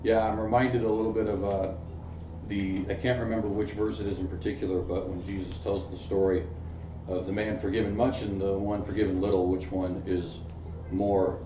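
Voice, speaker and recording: A man hosting an interview, asking his questions in a soft-spoken, measured, slightly hesitant way. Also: on the low side, flat delivery, noisy background. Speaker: interview host. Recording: distant mic in an echoey room, dull.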